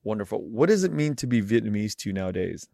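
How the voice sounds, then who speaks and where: A man in his forties hosting a podcast interview, asking relaxed, musing questions. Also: on the low side, fast, vocal fry, dry recording, clean studio sound. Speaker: podcast host. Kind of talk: conversational interview.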